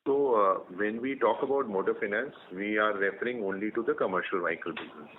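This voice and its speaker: A man with an Indian accent, a company executive explaining results in a measured way on an earnings call. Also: on the low side. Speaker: company executive answering analysts. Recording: narrow phone line with faint noise.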